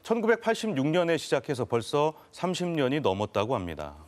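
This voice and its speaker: A man's voice: a little high, huge pitch swings, fairly quick. A man presenting a scripted news program in a studio, in conversation with a co-host.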